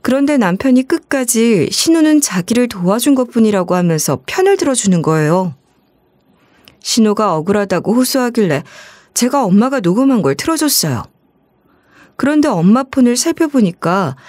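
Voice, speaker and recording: A woman narrating a first-person story at a steady storytelling pace into a close mic. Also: fairly high pitch, moderate pace, no echo.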